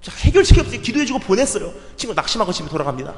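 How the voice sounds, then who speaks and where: A man preaching a sermon as a missionary, swinging from loud emphatic peaks to quiet storytelling. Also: high-pitched, big pitch swings, racing. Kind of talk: sermon with acted dialogue. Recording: long hall reverb.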